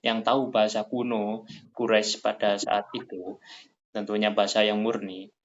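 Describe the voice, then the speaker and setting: A man hosting a casual religious study talk, animated, his voice climbing high when he quotes people. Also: moderate pace. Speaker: study session host. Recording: dull lo-fi sound.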